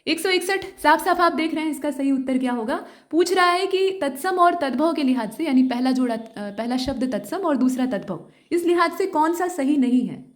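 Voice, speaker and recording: A woman with a high, light voice works through exam questions as a teacher. She explains steadily and often stops to confirm that each point is clear. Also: expressive, moderate pace, few pauses. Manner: explanatory, repeats points with frequent checks. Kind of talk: exam answer key explanation.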